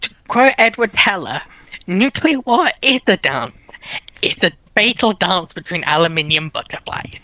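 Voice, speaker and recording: A woman's voice: lowish voice, animated, unhurried, bright, forceful tone, no room sound, poor audio. A woman speaking as a panellist.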